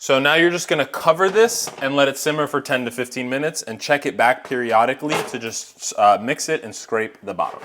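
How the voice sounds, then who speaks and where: A man's voice: mid-range voice, a bit bright, a little hiss or hum. Casual, chatty male home cook. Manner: chatty, instructive, talking to viewers. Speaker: home cook presenting a recipe. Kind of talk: casual cooking demonstration.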